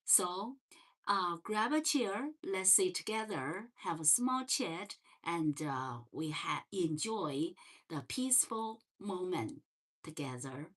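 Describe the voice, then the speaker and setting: A woman from China with a Chinese accent, hosting a relaxed livestream chat with viewers and often pausing on fillers. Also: fairly low pitch. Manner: slow and gentle, many fillers and restarts. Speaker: livestream host. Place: parents' home.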